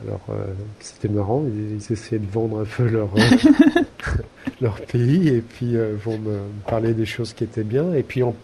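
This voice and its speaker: A low-pitched man with a gravelly, mellow voice chats casually on a podcast. He hesitates often, stringing his thoughts together with fillers and restarts. A faint rumble sits underneath. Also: fairly even intonation, moderate pace. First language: French. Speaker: podcast co-host. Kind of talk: casual conversational chat.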